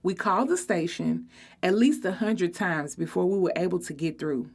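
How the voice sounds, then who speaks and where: A woman, a librarian reading aloud, giving expressive first-person storybook narration. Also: fairly low pitch, moderate pace, husky.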